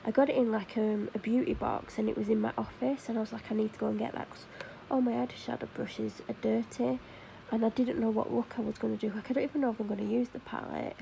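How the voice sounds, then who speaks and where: A woman's voice: fairly high pitch, fairly even intonation, fast, vocal fry, mellow, a little hiss or hum, rough recording. A woman with a Mancunian accent chatting casually to camera while doing her makeup, rambling with fillers and self-corrections. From Manchester, England. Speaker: vlogger.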